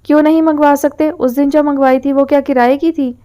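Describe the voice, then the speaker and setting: A woman's voice: high voice, steady tone, dark tone, close to an everyday voice. A woman voicing a stubborn young university woman who pouts and argues, in a novel reading. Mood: sulky. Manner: pouting and argumentative.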